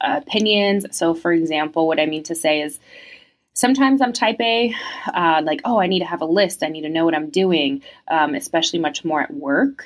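Using a normal speaking voice, a woman talks fairly quickly at a fairly low pitch with lively intonation. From France, moved to California at nine. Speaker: podcast guest. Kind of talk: casual interview.

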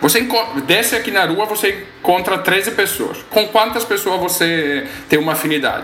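In an Italian accent, a man speaks in a raised, projected voice at a moderate pace with very wide pitch swings, amid audible room echo and noticeable background noise. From Italy. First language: Italian (speaking Portuguese). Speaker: chef, cooking show contestant. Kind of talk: casual chat.

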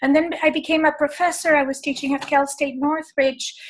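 A woman speaks with a Spanish accent. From Argentina, Buenos Aires. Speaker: women's coach. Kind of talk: interview. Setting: video call.

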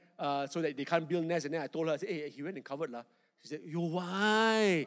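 A man speaks at a very fast pace. His pitch is high, with ordinary variation. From Malaysia. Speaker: pastor. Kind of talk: sermon. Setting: church. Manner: animated.

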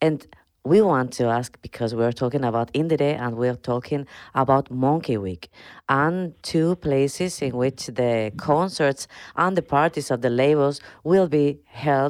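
With a Spanish accent, the speaker talks at a fairly slow pace using ordinary pitch variation. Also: woman, very deep, low pitch for a woman. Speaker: radio host. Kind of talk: radio show interview. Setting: studio.

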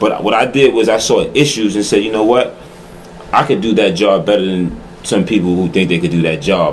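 With a New York accent, a man talks at a fairly quick pace against noticeable background noise. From New York City. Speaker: community organization founder and political candidate. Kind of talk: casual panel discussion. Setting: studio.

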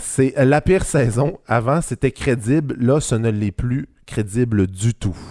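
A man's very slow delivery with hardly any pauses, dark and mellow in tone, very even in loudness, dry and close with no echo, on a very clean recording with a silent background. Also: medium pitch for a man, ordinary pitch variation. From Quebec, Saguenay-Lac-Saint-Jean. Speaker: podcast host, guest. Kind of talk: casual chat. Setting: studio.

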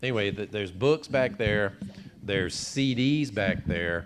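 Speaking at a fairly slow pace, a man with a medium pitch makes very wide pitch swings. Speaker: pastor. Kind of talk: sermon. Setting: church.

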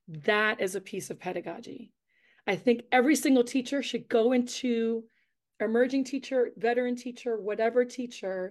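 In a quiet background, a woman with an American accent speaks at a high pitch. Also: ordinary pitch variation, moderate pace. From Long Island, New York. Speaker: teacher and doctoral candidate. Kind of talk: panel discussion. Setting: video call.

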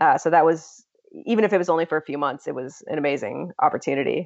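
Her fairly low pitch moves with lively intonation as this woman speaks. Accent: American. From Virginia, US (raised partly abroad). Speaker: animation writer. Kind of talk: interview conversation.

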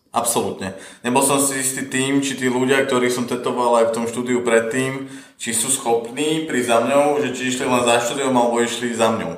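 The speaker talks in a flat monotone at a moderate pace, with noticeable background noise and audible room echo. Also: man, medium pitch for a man. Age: 30s. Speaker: tattoo artist. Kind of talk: casual interview chat.

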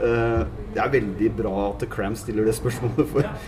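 A man's moderately paced speech comes with audible echo from the room and noticeable noise in the background. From Norway, Sandefjord (Vestfold). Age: 50s. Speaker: podcast host. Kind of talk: casual chat; scripted narration. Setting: bar.

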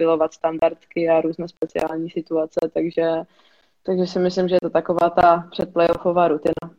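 A woman talks at a moderate pace in a fairly low pitch. Her intonation is monotone and flat. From Czechia, Moravia (Otrokovice). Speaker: floorball player. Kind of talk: interview.

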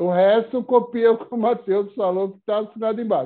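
The man speaking has a high-pitched voice. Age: 40s. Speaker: home brewer. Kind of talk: casual chat.

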